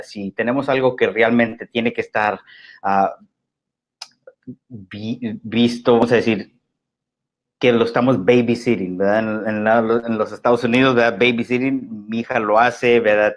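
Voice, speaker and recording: A man with a Mexican Spanish accent, explaining security in a webinar talk, halting and full of fillers and restarts. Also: medium pitch. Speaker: guest security expert.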